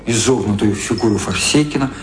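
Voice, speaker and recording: A man's voice: lowish voice, brisk, noisy background. A man narrating a radio drama from a literary script. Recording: roomy echo with prominent music.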